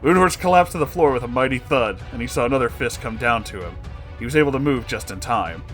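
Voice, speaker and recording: A man's voice: medium pitch, fast talker, a bit bright, soft background music. A man narrating a comedic story in a dramatic, amused reading style. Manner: amused, breaking into laughing asides.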